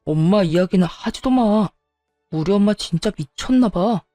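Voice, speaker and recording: A woman's voice: mid-range voice, animated, normal speed, warm tone, dry recording, soft background music, natural voice. A woman voicing a self-pitying ex-husband who pleads, then turns petulant and defensive. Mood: complaining. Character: whiny self-pitying ex-husband, grown man.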